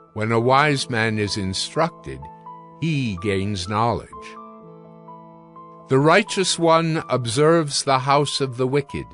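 Slow-paced male scripture narrator over music. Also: mid-range voice, a bit bright. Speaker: audio Bible narrator. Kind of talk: dramatized scripture reading. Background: background music.

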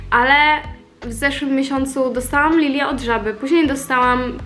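A woman's voice: a little high, fairly bright tone. A young woman chats casually to her followers as a vlogger, telling things in an informal, confiding, rambling way. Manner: informal, confiding, rambling storytelling with occasional swearing. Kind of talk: casual chatty vlog talk to followers.

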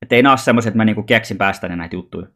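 A man's voice: on the low side, fairly bright tone. A man telling a personal story in a loose, rambling vlog monologue, informal and often swearing. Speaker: vlogger.

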